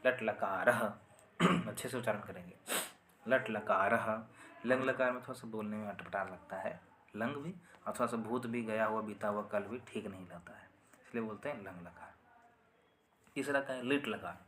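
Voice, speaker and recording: A man's voice: lowish voice, fairly quick, fairly bright tone, slight background noise. A man teaching a Sanskrit grammar lesson online, explaining with repetition and often asking "है ना?" to check understanding.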